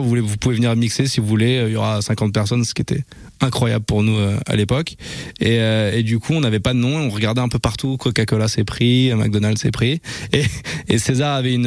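A young man, a musician guest, answering casually in a relaxed, halting way and repeating words. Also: mid-range voice, no room sound.

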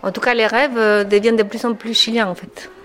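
A woman from Chile with a strong Chilean Spanish accent, a native Spanish speaker, answering interview questions in French as a psychoanalyst, speaking in a reflective, measured way with frequent hesitations. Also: on the high side, steady tone, a bit bright, soft background music. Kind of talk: documentary interview.

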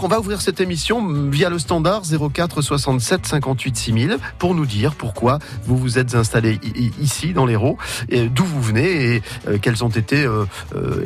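A man hosting a live radio talk show, jovial and teasing, often stumbling over fillers and restarts. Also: mid-range voice. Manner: hesitant, frequent fillers and restarts. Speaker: radio host. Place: radio studio.

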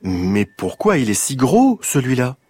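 A man's voice: a little slow, dry recording, faint music behind. A man voicing a curious, inventive little girl, eager and full of questions in a storybook reading. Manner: eager, questioning, bursts of high excitement.

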